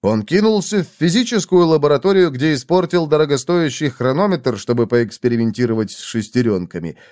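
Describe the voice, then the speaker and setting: Lively male audiobook narrator. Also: a little high, brisk, no echo, clean studio sound. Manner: lively, expressive reading.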